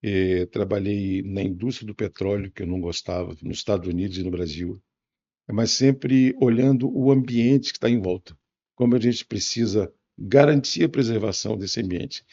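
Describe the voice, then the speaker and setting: Gravelly seventy-year-old Bahian man. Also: on the low side, warm tone, muffled recording. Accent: Bahian Brazilian Portuguese. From Bahia, Brazil. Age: 70s. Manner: unhurried, musing, many restarts and fillers. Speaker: interview guest. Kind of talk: reflective interview answers.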